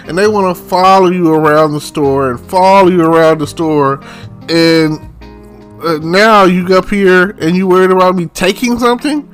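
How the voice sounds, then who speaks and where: Rambling man venting over faint guitar. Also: a bit bright. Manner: rambling, laughs often, rises in pitch when exasperated. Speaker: podcast host. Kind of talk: casual solo monologue.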